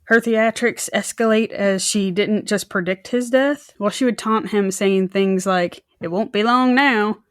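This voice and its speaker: A woman's voice: mid-range voice, a little slow, hardly any pauses, clear, resonant tone, no room sound, clean studio sound. A woman co-hosting a true crime podcast, telling a story in a casual, colloquial way with joking asides. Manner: informal, colloquial, joking asides and mimicked quotes.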